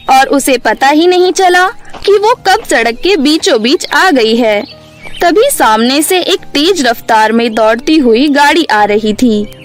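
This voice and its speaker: A woman narrating a scripted children's story as the storyteller. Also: high-pitched.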